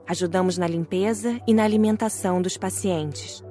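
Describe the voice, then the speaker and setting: Woman narrating an audiobook over soft music. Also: on the low side, fairly even intonation, moderate pace. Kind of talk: scripted audiobook reading.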